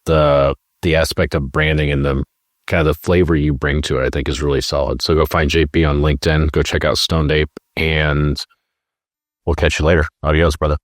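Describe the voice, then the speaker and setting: A man hosting a podcast in a relaxed, casual way, swearing freely as he wraps up with his guest. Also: extremely low pitch, brisk, no echo, studio quality. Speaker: podcast host.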